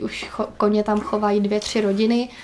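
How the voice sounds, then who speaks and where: Her fairly high voice stays monotone and flat as the woman talks at a moderate pace. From Czech Republic, South Bohemia. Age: 20s. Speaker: university student and intern. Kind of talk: radio interview. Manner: hesitant, many fillers.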